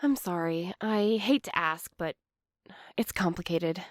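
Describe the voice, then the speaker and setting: A woman playing an anxious, apologetic young postal worker in a fiction podcast, earnest and halting in her delivery. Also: fairly low pitch, no echo, clean studio sound, close to an everyday voice. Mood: anxious, defensive. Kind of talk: fiction podcast audio drama acting.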